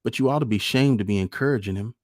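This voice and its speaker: Storybook mother played by a man: wiry, superstitious, fretful, rural Southern, raised husky voice, insistent scold. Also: on the low side, steady tone, normal speed, a little mellow, no echo, clean studio sound, pitched above the performer's own voice. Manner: scolding, insistent dialect speech.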